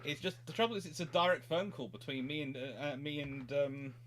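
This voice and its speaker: A man hosting a casual livestream, chatting haltingly and often repeating his words. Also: on the high side, a bit bright, slight background noise. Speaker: livestream host.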